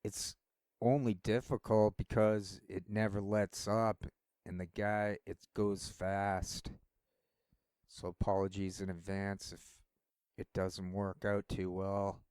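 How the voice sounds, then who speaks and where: Low, smooth-voiced rambling man. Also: little pitch movement, a little mellow, no echo. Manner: halting, self-deprecating, many restarts. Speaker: channel host. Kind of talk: rambling casual monologue.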